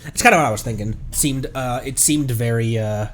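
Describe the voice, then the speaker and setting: A man's voice: mid-range voice, brisk, a bit bright. A man livestreaming a game with casual, jokey commentary, reading bits of dialogue aloud. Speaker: streamer.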